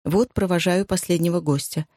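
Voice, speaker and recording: A woman reading the part of a kind, earnest young woman who keeps a tea room, speaking warmly and sincerely. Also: on the low side, fairly even intonation, moderate pace, dry recording, studio quality, lightly acted. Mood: polite. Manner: warm, apologetic, sincere.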